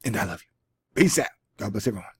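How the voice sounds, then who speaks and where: A man's voice: lowish voice, expressive, a little fast, husky, no echo. A man with a Texan accent, hosting a space news channel in a goofy, rambling style with self-mocking asides. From Texas. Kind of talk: casual solo commentary. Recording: lo-fi home recording, dry.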